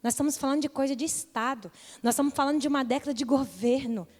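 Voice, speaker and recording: A young woman pastor preaches with fervor, her high voice building through repeated calls. Her voice carries a long reverb from a church hall. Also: quick pace. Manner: impassioned preaching, rising to loud repeated calls. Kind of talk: sermon.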